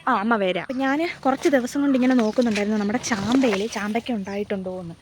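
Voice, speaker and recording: A woman's voice: mid-range voice, rapid-fire, noisy background. A young woman from Kerala, talking to camera in a casual vlog, musing and confiding as she walks around her home garden. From Kerala, India. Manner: soft-spoken, musing and confiding. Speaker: vlogger.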